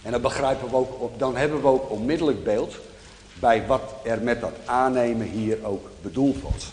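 A man preaching a sermon, explaining a Bible passage in a measured, teaching manner. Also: mid-range voice, darkish tone, a little hiss or hum. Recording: echoey hall with long reverb.

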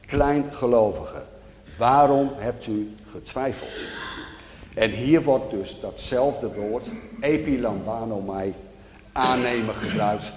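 A man preaching a sermon, explaining a Bible passage in a measured, teaching manner. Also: mid-range voice, darkish tone. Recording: echoey hall with long reverb.

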